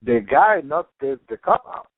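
A man from Cuba, talking in animated casual chat, swearing freely and using many fillers. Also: a little high, a little slow, no echo. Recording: tinny phone-like line.

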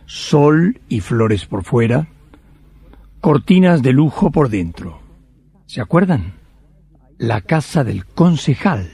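A man narrating a devotional radio drama in a measured way. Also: medium pitch, sing-song, gravelly, warm tone, breathy edge.

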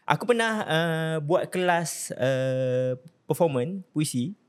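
A man from Malaysia chats casually as a poet guest on a talk show, his voice sitting a little higher than most men's. He laughs easily and thinks aloud, filling his pauses with fillers as he works toward his point. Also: animated, clean tone. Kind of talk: casual chat.

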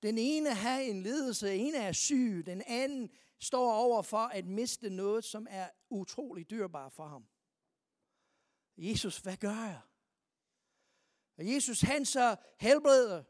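A preacher giving a sermon, reading scripture aloud and asking the listeners repeated rhetorical questions, moving between quiet reading and loud, emphatic stresses. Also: mid-range voice, animated, no room sound, clean studio sound.

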